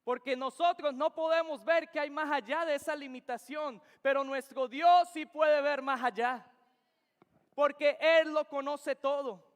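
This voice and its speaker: A man's voice: very high voice, steady tone, a little slow. A young man from Venezuela, preaching an earnest, emphatic sermon that repeats key phrases. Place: church sanctuary. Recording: reverberant church hall.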